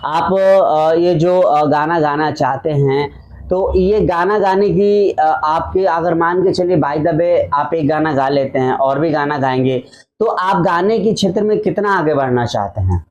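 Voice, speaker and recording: Male podcast host, friendly and slightly halting, voice a bit high. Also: a little mellow, highs cut off. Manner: friendly, hesitant with fillers when asking questions. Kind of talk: casual podcast interview.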